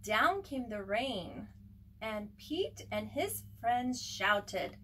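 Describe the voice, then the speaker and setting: A woman reading a picture book aloud in an expressive, simple way for young children, as a preschool teacher would. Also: a little high, drawn-out words. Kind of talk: children's storybook read-aloud. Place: at home. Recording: home recording with faint background noise.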